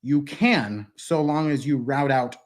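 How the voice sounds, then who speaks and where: A man in his thirties, a guest in a casual interview, talks bluntly and emphatically and swears freely. His voice is medium-pitched and he takes it slowly, speaking into a desk mic in a wood-paneled studio.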